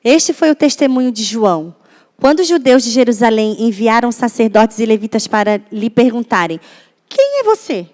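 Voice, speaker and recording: A woman pastor preaches in a chatty, conversational way and keeps turning to her audience with questions. Her voice sits high. The sound carries a long reverb from a church hall. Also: moderate pace, darkish tone. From Brazil. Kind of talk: sermon.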